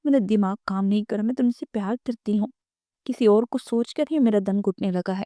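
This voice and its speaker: Woman doing a desperate young woman, tearful and pleading, mellow voice, dry sound, audio novel. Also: medium pitch, no room sound, close to an everyday voice.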